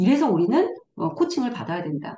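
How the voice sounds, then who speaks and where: A woman speaks at a fairly quick pace, with vocal fry. Her pitch swings very widely. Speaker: network marketing business leader. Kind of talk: motivational seminar talk. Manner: fast.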